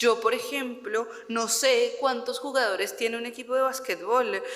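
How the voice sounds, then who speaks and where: A woman with a Colombian accent talks at a moderate pace and a fairly high pitch, with ordinary pitch variation. Audible room echo and noticeable background noise are present. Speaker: poet. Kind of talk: poetry reading. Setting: public reading with audience.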